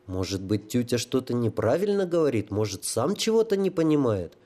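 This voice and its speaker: A man's voice: medium pitch, very animated, brisk, dark tone, natural voice. A man voicing a tearful, simple-minded holy fool who talks about himself like a child. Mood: plaintive. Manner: childlike pleading, stuttering.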